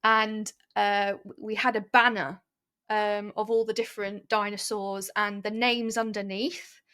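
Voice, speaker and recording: A woman's voice: medium pitch, a little slow, smooth. Chatty woman telling stories. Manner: animated storytelling with many fillers. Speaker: early years teacher and podcast host. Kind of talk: casual chat.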